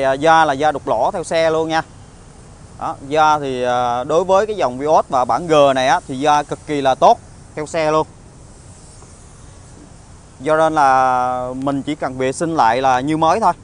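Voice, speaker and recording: A man with a southern Vietnamese accent giving an informal used car salesman's walkaround pitch, halting often with hesitations and tag words. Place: outdoor car lot, partly inside a car. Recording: outdoor phone recording with traffic ambience.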